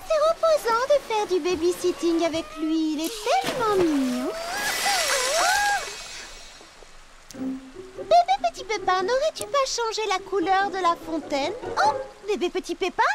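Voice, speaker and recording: Casting: sweet, patient little-girl cartoon heroine, very high voice, prominent music underneath. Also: very animated, moderate pace. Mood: puzzled, fond. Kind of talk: French children's cartoon dub.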